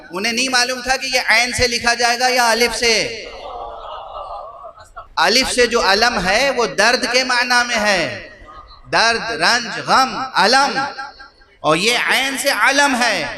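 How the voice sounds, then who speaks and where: High-voiced, emphatic preacher. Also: male voice. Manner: rhetorical questions to the audience, emphatic repetition. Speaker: Shia religious scholar. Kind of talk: majlis sermon.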